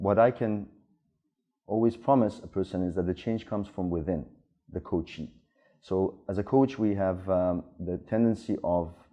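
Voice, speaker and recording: A man with an Iranian accent speaks in a dark, mellow tone at a fairly low pitch with ordinary pitch variation. His pace is moderate, with long, frequent pauses, against a quiet background. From Dubai, then Sweden. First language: Farsi. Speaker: executive coach. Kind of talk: interview. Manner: halting.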